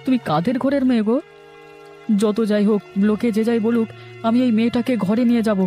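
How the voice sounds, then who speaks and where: Guy doing a kind poor fisherman for a cartoon, soft dark tone, music behind. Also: extremely high pitch, fairly even intonation, a little fast. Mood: shocked, pitying. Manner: earnest, exclamatory. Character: poor, tender-hearted fisherman husband. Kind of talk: cartoon story dialogue. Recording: music under the voice.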